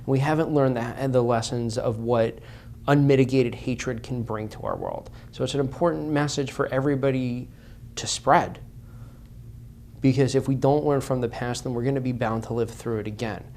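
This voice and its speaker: A man giving an earnest interview as a guest, his voice at an everyday middle pitch. He talks with passion and piles up repeated phrases to drive his points home. A faint hiss sits behind him. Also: expressive, normal speed, a little mellow. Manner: impassioned, repeats phrases for emphasis.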